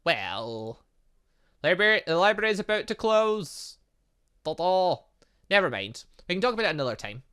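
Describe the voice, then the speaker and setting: This man's high-pitched, sing-song voice is sharp and clean, moving at a moderate pace with long pauses. A gaming channel host, he gives a casual let's play of a visual novel, reading game text aloud, chatting, and muttering to himself as he thinks.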